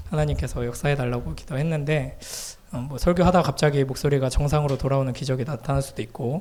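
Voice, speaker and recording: Very fast speech from a man, noticeable background noise behind him. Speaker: youth pastor. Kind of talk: sermon. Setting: church.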